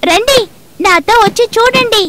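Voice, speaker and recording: A woman's voice: very high-pitched, moderate pace, noisy background. A woman voicing an earnest, spirited little granddaughter in a dubbed cartoon, eager and outspoken, with a childlike voice. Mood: pleading, indignant.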